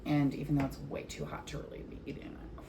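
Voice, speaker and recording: A woman in her forties with a distinctly low voice talks casually to camera as a vlog host. She is candid and conversational, as in an informal chat. There is faint noise behind her. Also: completely flat delivery, quick pace. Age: 40s.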